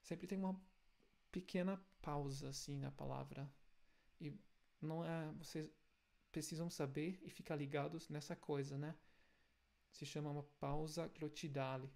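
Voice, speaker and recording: A man with a German accent, a native German speaker, teaching German pronunciation in Portuguese, explaining step by step and repeating example sounds slowly. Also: fairly high pitch, fairly even intonation, vocal fry, darkish tone. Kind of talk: language lesson video.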